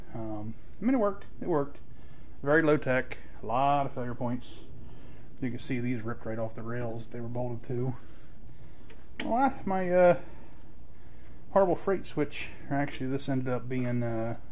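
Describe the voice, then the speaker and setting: Against light background noise, a man speaks with ordinary pitch variation and long, frequent pauses. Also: moderate pace. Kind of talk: casual build walkthrough. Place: garage. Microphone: phone near.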